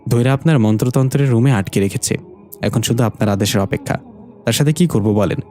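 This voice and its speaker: A man's voice: mid-range voice, a little fast, a little mellow, faint music behind, close to an everyday voice. A man voicing a mischievous young male prankster who answers everything in a smug, cheeky way.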